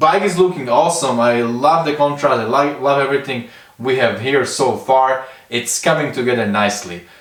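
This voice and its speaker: This man's medium-pitched speech, with ordinary pitch variation, comes through noticeable background noise and audible room echo. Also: moderate pace. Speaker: dirt bike builder, YouTuber. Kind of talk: workshop tutorial vlog.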